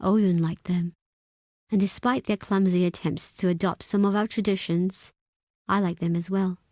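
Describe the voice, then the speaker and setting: A woman's voice: medium pitch, steady tone, moderate pace, dark tone, no echo, studio quality, natural voice. A woman playing a proud, stern tribal deputy leader in a video game, speaking in a solemn, formal, imperious way. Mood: frank. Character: proud, stern desert tribe woman, second-in-command, wary of outsiders. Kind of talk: dramatic video game character acting.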